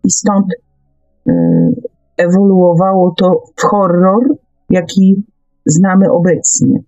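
Woman, radio discussion, hesitant phrasing, unhurried pace, warm dark tone. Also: fairly low pitch, flat delivery, highs cut off, soft background music. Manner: hesitant, halting delivery. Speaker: radio talk show host.

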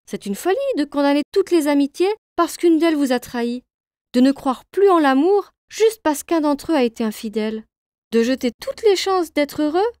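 A woman's voice: high voice, no echo, studio quality. A woman, a voice actress, reading an inspirational scripted narration. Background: soft music.

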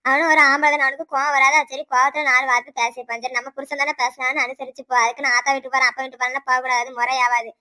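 A performer voicing an older village woman neighbor in a cartoon, lecturing the couple in a rapid Tirunelveli accent. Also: high-pitched, flat delivery, bright, forceful tone. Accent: Tirunelveli Tamil. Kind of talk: cartoon voice acting.

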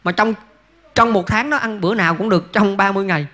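Male monk preaching casually, high and bright, keeps asking "see?". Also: fast talker. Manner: folksy, asks listeners rhetorical questions. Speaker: Buddhist monk teacher. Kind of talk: Buddhist dharma talk answering questions.

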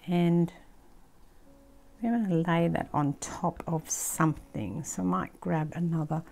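An older woman with an Australian accent, casually thinking aloud as she works on a craft project, sometimes dropping into a soft near-whisper. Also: low-pitched, gravelly. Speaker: craft channel host. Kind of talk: casual craft-along commentary. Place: indoor craft table, filmed from overhead.

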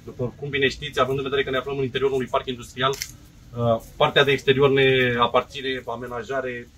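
A man's voice: medium pitch, flat delivery, fairly bright tone, recorded from a distance, a little hiss or hum, low-quality recording. A man in his forties, an industrial park director, giving a hesitant press statement full of fillers at an outdoor event. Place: outdoor tent at a ceremony.

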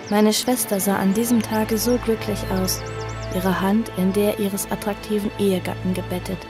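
An actress plays a sombre young woman telling her own horror story. She narrates in a medium pitch with measured phrasing. Music runs underneath. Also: natural voice. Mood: wistful. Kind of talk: scripted first-person narration, audio drama.

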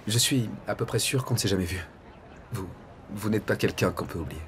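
A man's voice: lowish voice, brisk, natural voice. An actor dubbing a courteous former army man in his thirties, now a driving instructor, talking in a polite, earnest way. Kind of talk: French dub of a TV film.

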